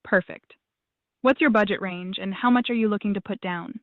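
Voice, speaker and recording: A synthetic woman's voice answering calls as a receptionist, polite, even and formulaic. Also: medium pitch, normal speed, no room sound. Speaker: AI phone receptionist. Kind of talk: scripted phone answering. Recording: dry tinny phone line.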